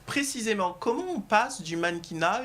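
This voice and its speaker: A male talk show host with a high-pitched, forceful voice. He addresses guests and viewers in a studio, politely and encouragingly, with very lively, swinging intonation. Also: normal speed.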